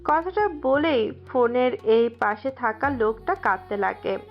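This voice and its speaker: A woman's voice: on the high side, measured pace, faint music behind. Woman narrating a story, lo-fi. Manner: steady storytelling, occasional slips.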